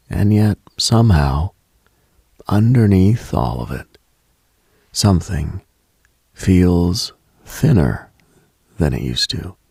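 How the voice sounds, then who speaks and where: A man hosting a late-night radio show, speaking in a hushed, intimate, contemplative monologue with long pauses and a husky, breathy edge. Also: deep voice, no echo, clean studio sound.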